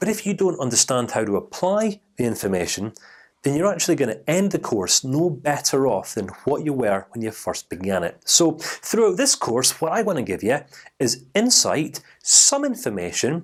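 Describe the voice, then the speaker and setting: Showing vocal fry and very wide pitch swings, a man with a fairly high pitch talks at a moderate pace. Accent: Scottish. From Scotland. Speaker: life coach, online course instructor. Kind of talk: online course lecture.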